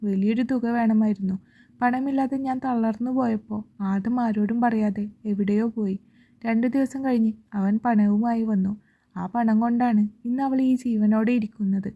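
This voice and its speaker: Storybook role: sorrowful older mother, read by a woman, soft slow delivery, dull sound. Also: a little high, steady tone.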